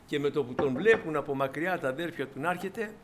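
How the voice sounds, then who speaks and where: A male preacher with a slightly high voice and lively intonation delivers a sermon against slight background noise. Retelling a Bible story, he performs the characters' words with varying voice and volume and often speaks to listeners as brothers.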